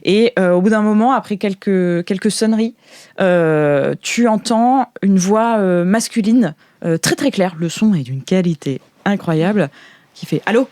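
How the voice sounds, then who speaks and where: A woman's voice: medium pitch, measured pace, a little mellow, no room sound. A woman game master improvising a story at the table. She tells it informally, feeling for words as she goes, with a mid-range voice in a close, dry recording. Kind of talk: improvised narration of a tabletop role-playing game.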